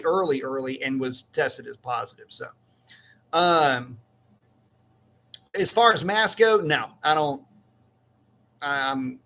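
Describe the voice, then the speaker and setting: A man's voice: on the high side, fairly bright tone. A middle-aged man hosting a casual live-stream chat, rambling and correcting himself in a folksy way. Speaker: livestream host.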